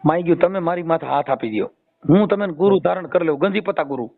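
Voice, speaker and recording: A man's voice: on the high side, fast, creaky. A man with a Saurashtra Gujarati accent in a casual phone conversation, teasing and questioning, often repeating and rephrasing what he hears. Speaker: host mediating a family dispute by phone. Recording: tinny, narrow phone-call audio.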